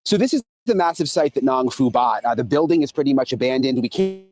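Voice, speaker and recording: A male field reporter talks quickly and conversationally, asking questions and describing what he's showing on location. His voice sits at a middle pitch. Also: animated.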